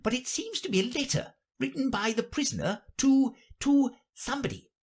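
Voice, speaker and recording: A narrator putting on a high, fussy white rabbit courtier. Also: lively intonation, a little mellow, breathy edge, heavily acted. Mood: anxious, deferential. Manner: deferential, hurried.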